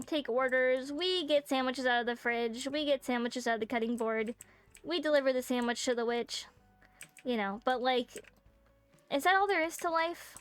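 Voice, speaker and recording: A woman's voice: high voice, fairly bright tone. A woman streaming a game in casual chat, joking and rambling with many fillers, close to a desk microphone. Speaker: VTuber streamer.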